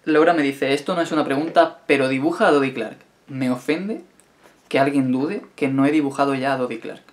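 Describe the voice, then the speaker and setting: A man's voice: mid-range voice, a little fast. A young man in his twenties from Spain, speaking with a Spain Spanish accent, reads out viewers' questions and answers them in a chatty, wry, self-mocking way. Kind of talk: casual Q&A vlog.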